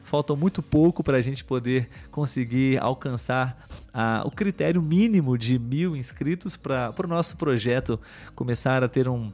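A man's voice: medium pitch, unhurried, darkish tone. A man hosting a live stream for Portuguese learners, reading viewer comments in a patient, teacherly way with many filler tags. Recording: faint music in the background.

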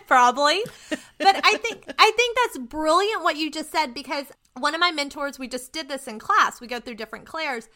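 Texan woman co-host, high and bright, excitable, chatty. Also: moderate pace. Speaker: podcast co-host. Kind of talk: casual chat.

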